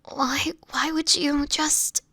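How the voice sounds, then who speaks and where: A woman playing a sickly, gentle, anguished vampire in an intimate audio roleplay, speaking in a breathy, often whispered voice with tender, halting, formal phrasing. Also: high voice, steady tone, dry recording, exaggerated voice. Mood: distressed, pleading. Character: sickly homeless young female vampire, gentle, anguished, self-sacrificing.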